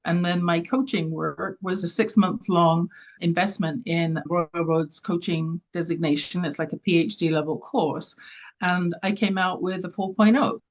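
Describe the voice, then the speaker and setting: A woman's voice: lowish voice, steady tone, unhurried. Earnest older Englishwoman. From London, England. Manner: earnest, emphatic, speaks with conviction. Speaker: guest, leadership coach and author. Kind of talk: interview answers.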